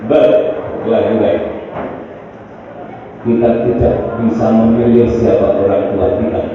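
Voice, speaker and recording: A man's voice: on the low side, unhurried. A man with a Javanese accent giving a motivational talk to teachers as a trainer, telling stories and putting questions to the audience. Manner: animated storyteller, asks the audience questions. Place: village hall. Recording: echoey hall, far-off dull mic, noisy.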